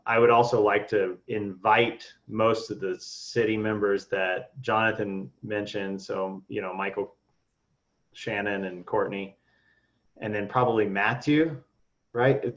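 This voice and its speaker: Man, lowish voice, meeting chair, halting and filler-heavy, muffled lo-fi audio. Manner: halting, many restarts and fillers. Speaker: board member leading the meeting. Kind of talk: casual meeting discussion.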